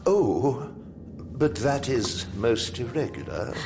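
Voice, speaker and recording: An actor playing an elegant, sinister funeral director in an audio drama, with formal, unctuous manners and false sympathy. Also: male voice, medium pitch, animated, takes it slowly, creaky, over music. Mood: solemn, unctuous. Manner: unctuous, formal, ornate phrasing.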